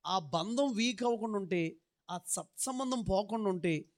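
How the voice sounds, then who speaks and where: At a moderate pace, a male pastor with a high-pitched voice preaches, weaving in folksy stories and leading the congregation in rhythmic, repeated recitation of verses.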